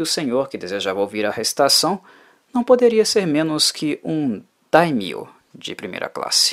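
A man speaks at a moderate pace in a solemn, dramatic tone. The recording is very clean, with a silent background. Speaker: channel host reading a literary horror tale. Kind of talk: audiobook-style reading aloud of a Japanese ghost story. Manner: measured, solemn storyteller's pace, dramatic and eerie.

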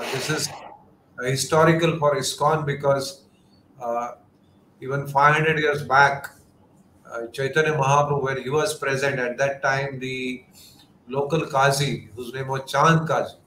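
With light background noise and audible room echo, a man speaks at a moderate pace in a monotone, flat intonation, leaving long, frequent pauses. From India, Maharashtra. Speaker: hospital head; guest. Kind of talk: panel discussion. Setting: video call. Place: home room.

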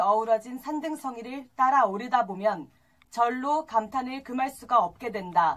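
Her voice is high-pitched with lively intonation, and this woman talks at a fairly slow pace against a quiet background. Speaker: drama student. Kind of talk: reading passage aloud. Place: studio. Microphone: camera far.

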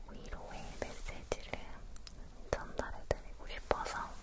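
A woman whispers at a very slow pace. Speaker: ASMR creator. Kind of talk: soft-spoken ASMR intro chat. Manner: soft, hushed ASMR speaking voice. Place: home room.

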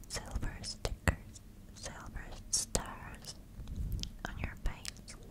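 Against loud background noise, a soft-spoken woman whispers at a very slow pace. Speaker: ASMR creator. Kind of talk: soft-spoken ASMR chat. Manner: soft intimate ASMR whisper. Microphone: studio mic.

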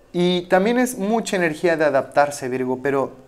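The man talks at a fairly slow pace. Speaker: tarot reader. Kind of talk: tarot reading. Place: home room. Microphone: phone near.

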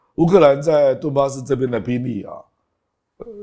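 A man speaks in a dark, mellow tone against a quiet background. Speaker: political commentator. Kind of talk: talk show panel discussion. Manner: explanatory. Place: studio. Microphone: lapel.

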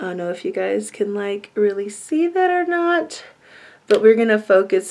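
A woman talks with lively, bouncing intonation. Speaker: beauty vlogger. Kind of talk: casual vlog chat. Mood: cheerful, giggly. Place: home room. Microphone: phone near.

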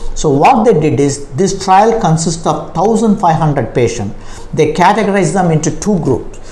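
The room echo is audible here. It surrounds a man as he talks. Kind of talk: educational talk to camera. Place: office. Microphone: lapel.

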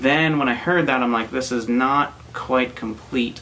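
A man talks at a moderate pace with ordinary pitch variation. Light background noise is present. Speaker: recording engineer vlogger. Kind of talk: tutorial. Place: studio.

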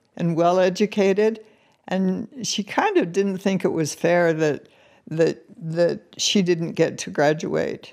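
In a quiet setting, a woman with a medium-pitched voice speaks very slowly and with fairly even intonation. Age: 80s+. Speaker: podcast host's mother. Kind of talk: interview. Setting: studio. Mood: calm, reflective storytelling. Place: home room. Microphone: studio mic.

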